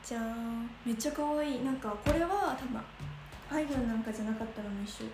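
A woman's voice: on the high side, fast talker, over music. A young woman from the Kansai region chatting casually on a livestream, bubbly and full of fillers as she answers comments. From Kansai region of Japan. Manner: chatty, bubbly, thinks aloud with many fillers. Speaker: idol livestreamer. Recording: echoey room with noticeable noise.

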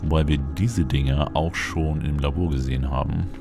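A man's voice: rumbling low, fairly even intonation, normal speed. A man hosting a Let's Play, giving casual in-character gameplay commentary and musing playfully aloud. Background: game music.

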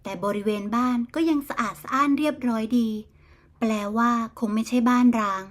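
A woman narrating a bedtime folk tale in a smooth, even storytelling manner. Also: fairly high pitch, moderate pace.

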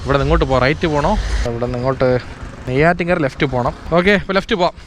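A man's voice: on the high side, racing. A man with a Trivandrum Malayalam accent gives chatty, casual ride commentary as a motorbike vlogger, mixing English words into his Malayalam and repeating his exclamations. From Kerala, India. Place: outdoors on a moving motorbike. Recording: noisy outdoor recording with traffic and engine.

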